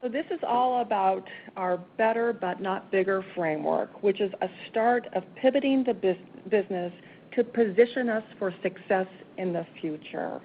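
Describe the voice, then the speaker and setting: A woman's voice: medium pitch, moderate pace. A woman executive giving emphatic, businesslike answers on an earnings conference call. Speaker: company executive. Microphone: conference call line. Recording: narrowband phone line, faint noise.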